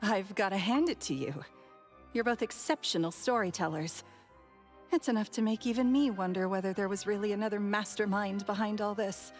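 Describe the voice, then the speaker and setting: A woman's voice: medium pitch, moderate pace, faint music behind, natural voice. A woman playing a cunning, composed villainess in a video game, poised and sardonic in her delivery. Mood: coolly mocking. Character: Gemma, cunning composed female villain, coolly mocking.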